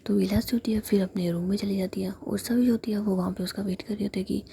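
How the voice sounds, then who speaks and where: A woman retelling a story in a steady, continuous whisper. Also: mid-range voice, fast talker, vocal fry, a little hiss or hum.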